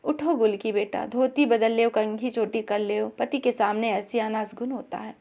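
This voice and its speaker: A woman's voice: fairly high pitch, fairly even intonation, moderate pace, close to an everyday voice. A woman voicing a coaxing motherly woman. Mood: consoling. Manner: gentle, coaxing.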